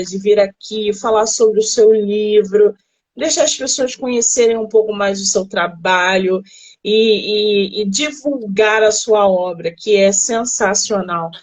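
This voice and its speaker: Broadcasting by phone, a Carioca host from Rio de Janeiro, Brazil, interviews an author on a relaxed literary livestream, speaking Brazilian Portuguese with that local accent. Her medium-pitched voice is a little mellow and unhurried, and she chats along with plenty of exclamations.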